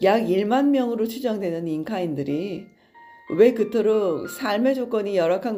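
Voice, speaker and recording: A woman talks at a fairly slow pace, backed by music. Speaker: book reader. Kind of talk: essay reading.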